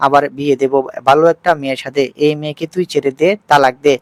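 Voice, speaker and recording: A man's voice: fairly high pitch, little pitch movement, fast talker, dry recording, close to an everyday voice. A man voicing a middle-aged mother who wails and pleads while scheming against her daughter-in-law. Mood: tearful. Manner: wailing, pleading.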